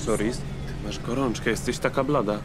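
An actor playing a caring, questioning man travelling through space in a radio play, with an animated delivery. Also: medium pitch, normal speed, close to an everyday voice. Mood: concerned. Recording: very noisy outdoor and vehicle ambience.

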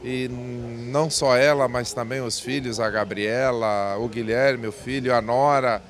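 Measured older man interviewed. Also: mid-range voice, steady tone. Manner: measured, repeats and restarts phrases. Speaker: cooperative bank president. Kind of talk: event interview. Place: indoor event stand with backdrop. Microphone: handheld mic.

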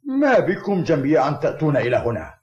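A man playing a gruff, protective old grandfather in a dubbed cartoon. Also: on the high side, huge pitch swings, fast, a little mellow. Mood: defensive. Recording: echoey, slightly dull audio.

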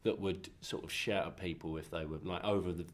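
Deep man with a head cold, chatty, restarts a lot, press-room interview on a handheld mic. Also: steady tone, fairly quick. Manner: rambling, many restarts and laughs. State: congested from a cold. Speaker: filmmaker being interviewed. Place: festival press room, indoors. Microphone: handheld mic held by interviewer.

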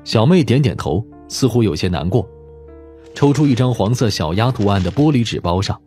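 Low-voiced male story narrator, very animated. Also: moderate pace. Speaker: audiobook narrator. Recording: music behind the voice.

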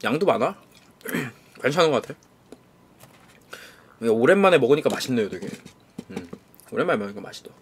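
A young man streaming a mukbang, chewing food as he makes relaxed, mumbled comments between bites. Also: medium pitch, a little fast, long pauses, a little hiss or hum. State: chewing food while talking. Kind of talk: casual live-stream chat while eating.

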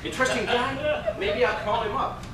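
A man's voice: very high-pitched, moderate pace. A man playing a flamboyant, sassy, self-pitying gay werewolf in a staged comedy reading, full of campy pet names. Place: indoor stage, recorded from the audience by far camera. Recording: distant, echoey theater, noisy background.

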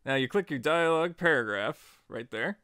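A man narrating a software tutorial in a chatty, informal way, guiding step by step. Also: medium pitch, animated, normal speed, smooth, dry recording, studio quality. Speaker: tutorial host.

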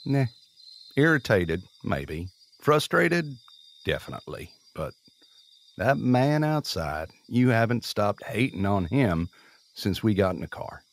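A man's voice: fairly low pitch, very animated, slow, heavily acted. A man playing a weary, resigned, self-deprecating injured man in a naturalistic audio drama, casual and wry.

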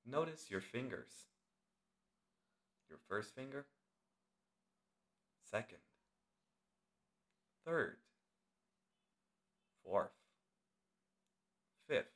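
A man acting as instructor narrates a guided meditation in short, measured phrases separated by long gaps. His mid-range voice is sing-song and fairly bright, with intonation roaming freely across a wide range.

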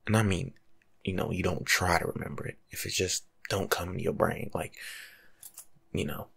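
A young American man giving casual, slangy life-coach advice in an ASMR monologue, breathy and often dropping to a whisper. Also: low voice, fairly even intonation, moderate pace, a bit bright. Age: young adult. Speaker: ASMR video creator. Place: small room at home, indoors.

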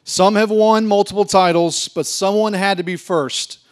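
A man's voice: sits high, fairly even intonation, moderate pace. A man in his thirties hosting an awards gala, introducing an honoree in a polished announcing manner on a handheld mic. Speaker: event host.

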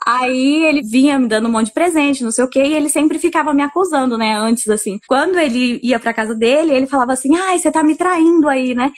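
Chatty high-voiced woman in her twenties. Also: fast talker, few pauses. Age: 20s. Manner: chatty, quotes others, lots of fillers. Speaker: caller. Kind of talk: casual storytelling.

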